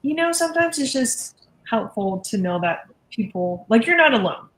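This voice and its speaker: A woman's voice: fairly high pitch, very animated, moderate pace. A woman on a book club panel chatting informally, with hesitant phrasing full of filler words. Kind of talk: casual chat.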